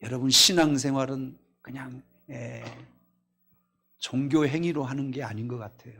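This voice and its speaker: A man preaching a Korean sermon at a Friday night service, reading scripture aloud, telling stories and asking the congregation questions, swinging between loud exclamations and quiet asides. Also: medium pitch, moderate pace, breathy edge. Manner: reads scripture in a raised voice. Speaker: pastor. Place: church.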